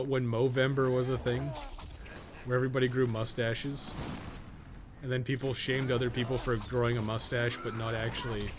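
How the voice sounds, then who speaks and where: A man's voice: mid-range voice, noisy background. Male game streamer, mid-range voice; casual, rambling, foul-mouthed and jokey guide talk. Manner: rambling, thinking aloud; profane, slangy, joking. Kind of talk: casual live-stream gaming commentary.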